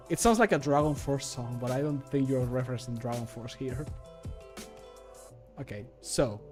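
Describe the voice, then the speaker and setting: A man in his thirties rambling casually as he streams, with loose, sweary chat. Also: fairly high pitch. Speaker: streamer and mod maker. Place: small home room, indoors. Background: background music.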